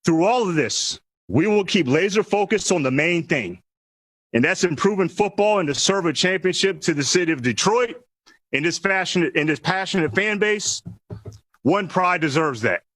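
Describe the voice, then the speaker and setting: A man in his forties giving a measured, emphatic press conference speech as a new general manager, stressing key words. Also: high voice, lively intonation, fairly bright tone, dry recording.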